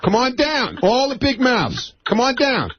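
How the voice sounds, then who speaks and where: A man's voice: very high-pitched, wildly swooping pitch, a little slow. A man arguing off the cuff on a radio show, curt, sarcastic and combative, repeating his phrases. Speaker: show staff member in studio argument. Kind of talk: heated unscripted argument. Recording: dull lo-fi radio recording.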